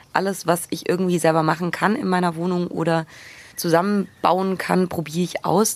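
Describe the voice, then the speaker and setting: A woman talks at a fairly quick pace with fairly even intonation. She has an ordinary speaking voice. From Bavaria, Landshut. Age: 20s. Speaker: stage actor. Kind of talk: casual interview. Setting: outdoors in a garden arbour.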